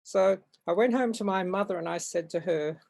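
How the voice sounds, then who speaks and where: A man in his seventies from Far North Queensland with an Australian accent, telling stories from his life in a hesitant, halting way over a video call from home. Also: high-pitched, creaky, darkish tone. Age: 70s. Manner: hesitant, halting, with frequent ums and restarts. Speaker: guest artist. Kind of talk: reflective storytelling in an interview.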